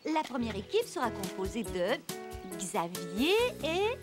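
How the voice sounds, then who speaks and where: High, very animated cheerful preschool teacher. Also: female voice, a little slow. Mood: explaining brightly. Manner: clear, encouraging, animated instruction to children. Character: cheerful encouraging young woman preschool teacher. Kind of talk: French children's cartoon dub acting. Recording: music bed under the voice.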